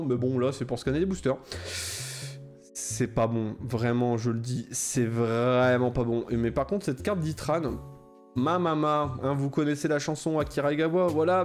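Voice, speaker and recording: A man's voice: mid-range voice, darkish tone. Rambling man opening card packs. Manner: rambling, many fillers, repeats phrases. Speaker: Pokémon card opener. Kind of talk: casual pack-opening chat.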